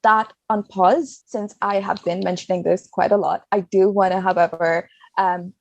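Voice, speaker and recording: Young female law student guest, outspoken and blunt, mid-range pitch, dry close-miked recording. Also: steady tone, moderate pace, gravelly, darkish tone, no room sound, highs cut off. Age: young adult. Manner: blunt and opinionated, swears freely. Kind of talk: casual podcast conversation.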